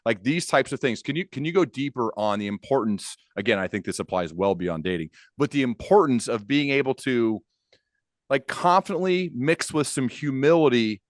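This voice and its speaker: A man's voice: medium pitch, expressive, normal speed, no room sound. A man with a mid-range voice hosts a podcast in a dry, close-sounding recording. He chats casually and informally, telling small anecdotes and acting out imagined remarks as he builds toward his questions. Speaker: podcast host. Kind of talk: casual interview chat.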